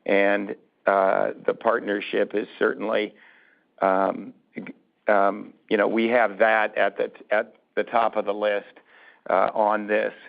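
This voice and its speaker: Halting, gravelly man on a phone line. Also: lowish voice, level tone. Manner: halting, deliberate, often restarting phrases. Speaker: company executive answering questions. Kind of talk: unscripted answers on an earnings call. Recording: muffled narrowband phone conference line.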